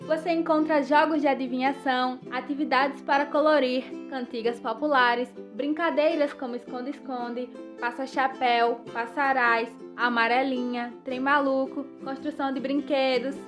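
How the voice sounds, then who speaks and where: A woman's voice: sits high, steady tone, moderate pace, hardly any pauses. A Brazilian woman presenting a podcast in scripted narration. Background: background music.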